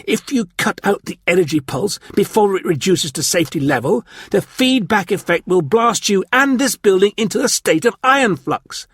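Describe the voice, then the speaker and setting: A man's voice: fairly high pitch, sing-song, normal speed, a bit bright, slightly rough, dry recording, clean studio sound, voice pushed up, heavily acted. A man voicing a nervous but dignified male facility leader, earnest and insistent.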